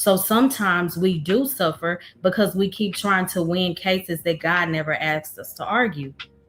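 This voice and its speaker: A fairly low female voice with an American accent and ordinary pitch variation. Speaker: live streamer and faith talk host. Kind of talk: live stream teaching with chat interaction. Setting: live stream. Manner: unhurried, deliberate pace.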